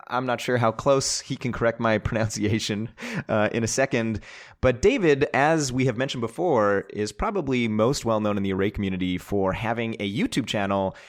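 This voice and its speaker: A man hosting a podcast, introducing a guest and asking questions in a chatty, enthusiastic way. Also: on the low side. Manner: chatty and enthusiastic, many fillers. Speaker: podcast host. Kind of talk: casual podcast chat.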